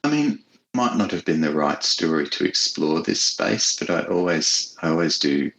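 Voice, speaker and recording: Very deep-voiced, thoughtful man. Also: expressive, gravelly, a bit bright, low-quality recording. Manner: thoughtful, hesitant, measured. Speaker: author being interviewed. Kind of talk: reflective conversational interview.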